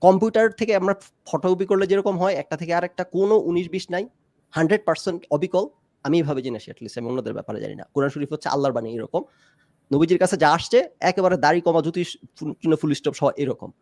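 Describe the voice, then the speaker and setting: This man, a guest in a casual live-stream debate, argues his case in Bengali sprinkled with English phrases. He speaks fast in a fairly high-pitched, darkish voice. The recording is studio quality with no echo.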